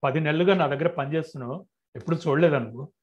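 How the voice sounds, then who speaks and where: Guy reading as a calm older lawyer, curt and cool, voice on the higher side. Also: fast talker, muffled recording, lightly acted. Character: calm senior male lawyer, unflappable.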